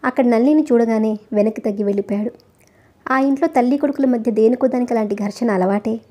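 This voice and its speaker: Brisk woman narrating a novel. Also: on the high side, mellow. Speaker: audiobook narrator.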